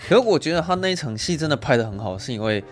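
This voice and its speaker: A man's voice: fairly high pitch, very animated, very fast, soft background music. A man, co-hosting a casual film chat, laughing often, swearing now and then and acting out quotes. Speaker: podcast co-host.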